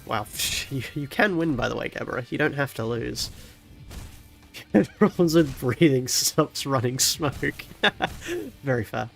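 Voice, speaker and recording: A young man streaming a video game while ill with a cold, sounding nasal and stuffy, talking quietly with low energy and chuckling now and then. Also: very animated, slow pace, creaky, faint music behind. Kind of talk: casual live-stream chat while playing.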